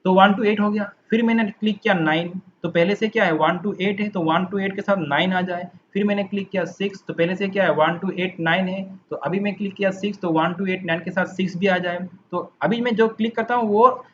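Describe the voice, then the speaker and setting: Guy teaching javascript class, patient, repeats stuff, bit high voice, muffled recording w faint hiss. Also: steady tone, brisk, few pauses, a bit bright. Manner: patient, repeats and rephrases while explaining. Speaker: programming teacher. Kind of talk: coding lesson walkthrough. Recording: dull lo-fi recording with faint noise.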